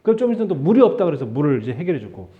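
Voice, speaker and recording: A man's voice: on the high side, very animated, racing, narrow, tinny audio. A man preaching a sermon as pastor, in a conversational style that acts out the quotes he tells. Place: church sanctuary.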